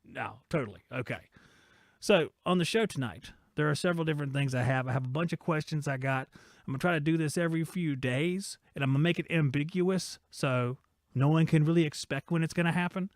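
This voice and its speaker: A man's voice: on the high side, a little fast, dry recording, clean studio sound. A man in his forties hosting a live-streamed podcast from his workshop, rambling and joking as he reads viewer chat aloud. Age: 40s. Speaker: host of a live-streamed shop talk podcast.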